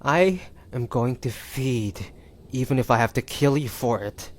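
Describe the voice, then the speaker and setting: A man playing a tormented, bloodthirsty demon fighting his hunger in a dramatic audio roleplay, speaking haltingly with breathy sighs and drawn-out pleading. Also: mid-range voice, lively intonation, close to an everyday voice. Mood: menacing, desperate.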